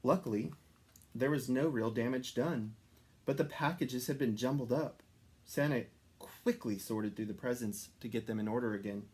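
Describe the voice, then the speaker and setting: A man reading a children's story aloud expressively, with dramatic pauses and stressed descriptive words. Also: mid-range voice, a little mellow, breathy edge. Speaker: story reader.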